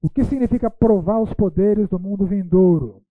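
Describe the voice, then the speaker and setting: A man's voice: high-pitched, moderate pace, dry recording. A man teaching a Bible school lecture, posing rhetorical questions and tagging his sentences with "né". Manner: rhetorical questions, frequent "né" tags. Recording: tinny phone-like dry sound.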